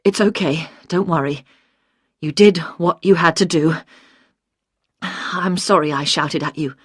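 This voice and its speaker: Sex: man, voiced by a woman reader. Figure: gentle, calm grown man in a storybook. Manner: soft and reassuring. Delivery: low-pitched, unhurried. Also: slightly rough, no room sound, studio quality.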